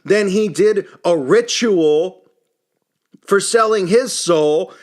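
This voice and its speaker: A YouTube commentary host with a high-sitting voice speaks slowly in an unscripted rant. He is indignant and emphatic as he delivers his opinion.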